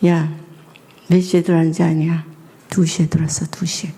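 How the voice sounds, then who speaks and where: A woman's voice: deep voice, flat delivery, moderate pace, warm tone, voice pushed down. A woman acting out a nagging middle-aged mother who scolds her son bluntly. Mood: grumbling.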